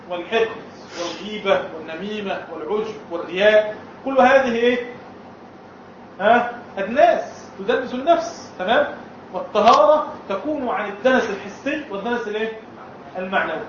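Lecturer, male, higher pitch, recorded far off with a muffled sound. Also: a bit bright, slight background noise. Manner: asks students questions and answers them himself. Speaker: Islamic law teacher. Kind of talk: classroom lesson. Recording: echoey room, far from the mic, dull and muffled.

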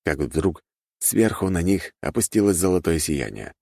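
A man narrating a fantasy audiobook in a steady, even reading voice, recorded close to the mic. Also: deep voice, normal speed, creaky, dry recording.

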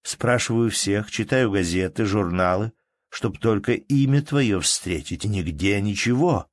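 A man voicing a young woman who is loving, lively and playfully commanding, in an audiobook reading. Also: lowish voice, unhurried, dry recording, natural voice. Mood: reproachful.

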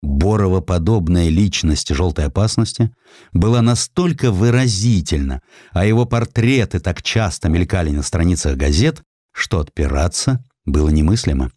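A man's voice: sits low, lively intonation, normal speed, a little mellow, no room sound, studio quality. A man narrating a historical essay as a scripted audiobook, with an emphatic, theatrical storytelling delivery.

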